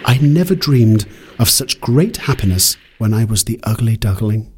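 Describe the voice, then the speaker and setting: A man voicing a shy young swan who quietly marvels at his happiness. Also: fairly low pitch, lively intonation, normal speed, a little hiss or hum, natural voice. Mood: wondering. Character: shy young swan, once an ugly duckling.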